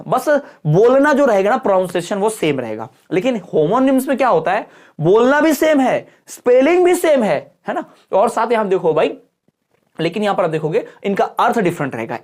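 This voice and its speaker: A male teacher giving a lecture that mixes Hindi and English. He keeps asking questions and answering them himself, calls his listeners "bhai", and reads English definitions out slowly. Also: sits high, darkish tone. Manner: asks and answers his own questions, repeating checks like "theek hai?".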